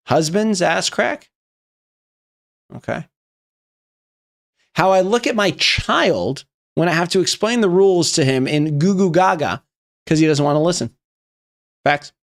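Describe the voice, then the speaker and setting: A young man with a slightly raised voice reads out memes on a live stream and reacts to each one. He swears freely and laughs as he goes. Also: fairly high pitch. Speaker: streamer reviewing viewer memes. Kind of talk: casual live-stream commentary.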